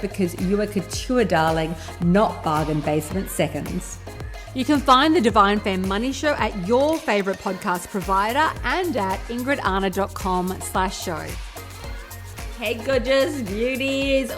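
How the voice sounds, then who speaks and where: A woman hosting a motivational business podcast, sounding nasal and blocked up from a cold, gushing and affirming as she slows into guided reflection. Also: mid-range voice. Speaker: podcast host and business coach.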